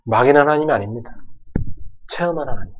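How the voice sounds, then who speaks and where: A man's voice: mid-range voice, lively intonation, fast talker, muffled recording. A man preaching a sermon as pastor, earnest, acting out prayers and building to fervent exhortation. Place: church sanctuary.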